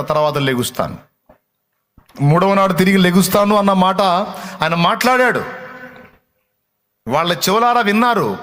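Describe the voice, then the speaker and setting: A male preacher, preaching expressively and acting out the people of the scripture story. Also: sits high. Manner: expressive, voices dramatic quotes, affirms reader with short "aa". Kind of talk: sermon with Bible reading.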